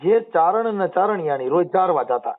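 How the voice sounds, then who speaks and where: A man explains old verses and history at length, now and then chanting couplets in a slow, drawn-out way. His voice sits high for a man. The sound is thin and tinny, like a recorded phone call. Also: animated. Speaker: social media personality taking calls.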